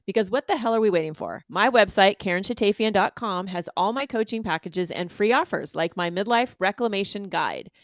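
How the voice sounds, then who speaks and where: A woman's voice: medium pitch, lively intonation, a little fast, few pauses, dry recording, studio quality. A woman podcast co-host and empowerment coach giving an upbeat, scripted self-introduction.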